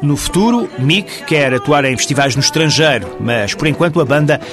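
A man's voice: fairly high pitch, lively intonation, normal speed. A man reading a scripted magazine-programme narration as presenter. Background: music.

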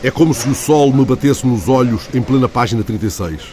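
A man giving scripted, literary narration for a documentary, measured and reading out book passages. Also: medium pitch, expressive, noisy background. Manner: measured, reads quotes from a book.

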